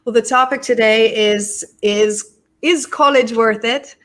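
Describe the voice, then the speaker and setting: A woman's voice: fairly high pitch, steady tone, takes it slowly, a bit bright. A middle-aged American woman hosting a live podcast, talking casually and fondly to her daughter, often repeating words as she starts a thought. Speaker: podcast host. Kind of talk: casual live-stream chat.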